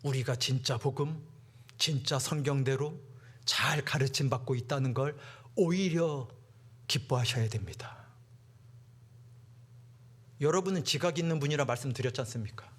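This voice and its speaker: A man preaching a dramatic sermon to teenagers, acting out mocking classmates and swinging from hushed to loud. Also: medium pitch, moderate pace, pauses often, breathy edge. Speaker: youth preacher.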